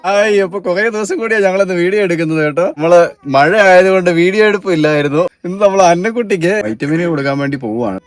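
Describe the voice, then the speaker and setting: A woman's voice: fairly low pitch, animated, quick pace. A woman vlogging casually from a parked car, chatting and coaxing a small child along. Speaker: vlogger and mother. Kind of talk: casual family vlog chat.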